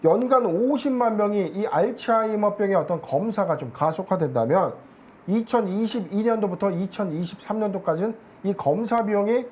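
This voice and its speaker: Man analyst on a stock show, steady explaining tone, lots of filler words. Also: sits high, normal speed, a little hiss or hum. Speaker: stock market analyst guest.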